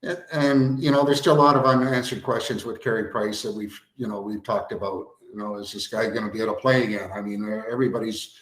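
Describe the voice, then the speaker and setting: Older man, halting, in an echoey room. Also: on the low side, fairly even intonation. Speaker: former hockey player and coach, panelist. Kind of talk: casual panel discussion. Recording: roomy, echoing sound.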